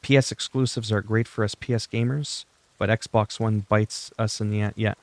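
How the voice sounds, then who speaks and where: His voice is lowish and darkish, with fairly even intonation at a moderate pace and no room sound. A native French speaker, he's chatty and opinionated as he talks to viewers in casual livestream chat while gaming.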